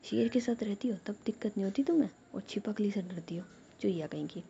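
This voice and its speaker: A woman's voice: mid-range voice, brisk, vocal fry, mellow, slight background noise, natural voice. Woman voicing a short-tempered caring young woman, exasperated retorts, dull lo-fi sound, whispered role-play story. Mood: exasperated, teasing.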